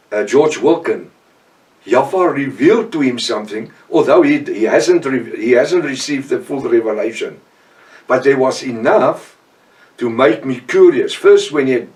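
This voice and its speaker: An older South African man with an Afrikaans accent, giving an informal, earnest Bible teaching with frequent pauses and restarts. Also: medium pitch, darkish tone, far from the mic, poor audio. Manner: earnest, halting, with many restarts. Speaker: professor and preacher.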